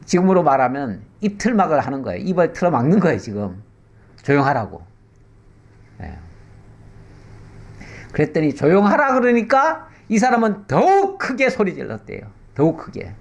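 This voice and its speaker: A middle-aged male pastor teaching the Bible in a conversational way, explaining with rhetorical questions and slow pauses. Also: on the high side, huge pitch swings, vocal fry, dull audio.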